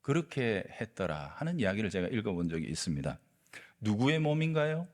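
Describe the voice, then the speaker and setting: A male pastor preaching a sermon, telling a story with lively delivery and acting out the quoted lines. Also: lowish voice, a little fast. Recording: long reverb of a large hall.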